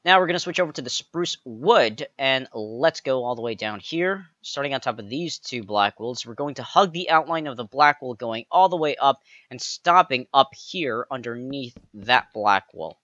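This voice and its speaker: A man narrating a step-by-step game building tutorial, counting blocks aloud with playful jokey asides and a slightly raspy voice. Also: medium pitch, expressive, moderate pace, few pauses, sharp tone, no room sound, dull audio. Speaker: pixel art tutorial creator.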